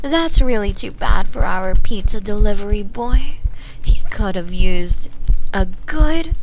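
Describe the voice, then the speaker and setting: A woman voicing a sinister, manipulative seer, speaking calmly and slowly with a soft, partly whispered voice into a binaural mic. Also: medium pitch, slight background noise, pitched above the performer's own voice, rough recording. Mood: gloating. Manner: calm, slow and coolly menacing.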